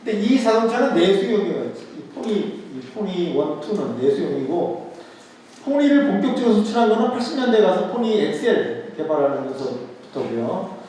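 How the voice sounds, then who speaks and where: Male lecturer, higher pitch, chatty style that repeats key points, recorded from afar in a reverberant hall with faint noise. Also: very animated, moderate pace, dark tone. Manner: conversational, asks rhetorical questions and repeats key words. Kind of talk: history lecture to an audience. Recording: echoey hall, voice picked up from a distance.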